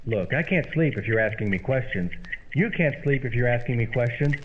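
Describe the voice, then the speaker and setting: A man's voice: mid-range voice, lively intonation, brisk, close to an everyday voice. A man playing an exasperated, long-suffering straight-man friend in old-time radio comedy, irritable and sarcastic. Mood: fed up. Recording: noisy, muffled old-time radio sound.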